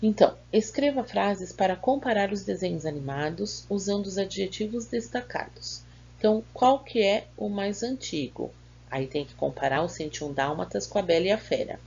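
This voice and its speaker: A woman's voice: mid-range voice, normal speed, gravelly, darkish tone, breathy edge, lo-fi sound. A woman teacher with a Brazilian Portuguese accent, patiently going over schoolbook exercises and sounding out words syllable by syllable.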